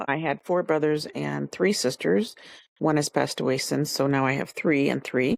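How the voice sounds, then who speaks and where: A woman speaks at a very deep, low pitch with vocal fry and lively intonation. Her moderate pace comes through a dry, close sound with no echo. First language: Spanish. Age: 50s. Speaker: nurse, adult adoptee telling her life story. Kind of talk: interview testimony. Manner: formal.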